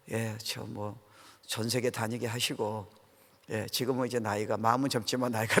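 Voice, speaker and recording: A middle-aged man preaching a conversational revival sermon as a guest pastor, informal and earnest, often putting questions to the congregation. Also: mid-range voice. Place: large church sanctuary, preaching to a congregation. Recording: reverberant church hall sound.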